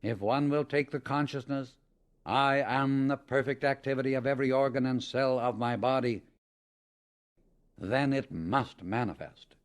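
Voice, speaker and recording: Reading a spiritual audiobook from a script, a man with a mid-range voice delivers it in a deliberate, emphatic style meant to instruct.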